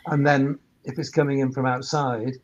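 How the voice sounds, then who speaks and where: A man's voice: mid-range voice, little pitch movement, moderate pace, slight background noise. A man explaining technical points informally on a webinar, rambling and repeating words, from a microphone a few feet away. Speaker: sound engineer and workspace operator, panellist. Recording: dull, band-limited webinar audio.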